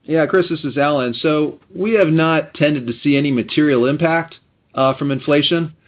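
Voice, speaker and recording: A man speaking as a company executive, giving measured, businesslike answers on a muffled conference line. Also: on the high side. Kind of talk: unscripted answers on an earnings call.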